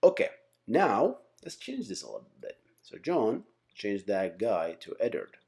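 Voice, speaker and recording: A man's voice: lowish voice, wildly swooping pitch, measured pace, gravelly, a little mellow. A man giving an informal tutorial, thinking aloud step by step and often checking in with short tags. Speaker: software engineering instructor.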